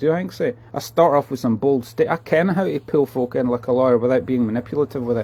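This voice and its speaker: Fairly quick speech from a man in a Scottish accent, medium in pitch, with a dark, mellow tone. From Scotland. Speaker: amateur cyclist and vlogger. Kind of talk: casual monologue vlog. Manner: rambling, halting with many restarts.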